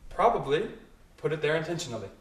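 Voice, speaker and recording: A man who is a native English speaker, explaining ideas through everyday examples and questions in a casual two-person talk. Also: on the high side. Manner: leads with examples, asks questions, quick and animated. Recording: roomy echo, a bit far from the mic.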